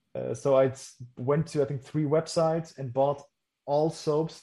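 Against a quiet background, a man with a German accent speaks at a fairly slow pace in a fairly high pitch, sounding somewhat breathy. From Germany. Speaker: company CEO. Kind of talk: interview chat.

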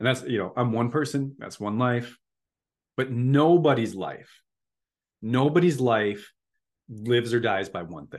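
A man speaks at a fairly slow pace and medium pitch with ordinary pitch variation, leaving long, frequent pauses. His loudness swings widely against a quiet background. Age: 40s. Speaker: clinical psychologist and podcast host. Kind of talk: solo podcast monologue. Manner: casual, conversational with fillers.

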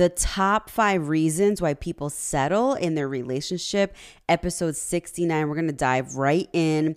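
The speech moves at a moderate pace with ordinary pitch variation, recorded very cleanly with a silent background and a dry, close sound without echo. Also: woman, fairly low pitch for a woman. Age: 30s. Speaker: relationship coach and podcast host. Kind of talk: solo podcast monologue.

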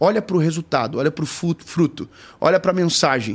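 A man with a normal speaking voice talks fairly quickly, his pitch fairly high. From Joinville, southern Brazil. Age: 30s. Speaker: evangelist preacher. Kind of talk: casual interview chat.

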